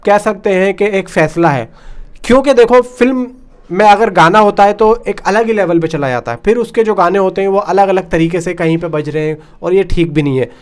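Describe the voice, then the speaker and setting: Male film news host, high voice, chatty and informal, talks straight to viewers as pals. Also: fairly quick. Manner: chatty, addresses viewers as brother and friends.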